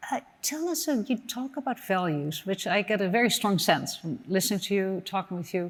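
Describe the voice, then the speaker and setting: A woman with a medium pitch and a somewhat breathy voice speaks fairly quickly with hardly any pauses and lively intonation. The recording is very clean, with a silent background. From Netherlands. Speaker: university leader, event host. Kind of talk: onstage interview. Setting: theater stage with audience.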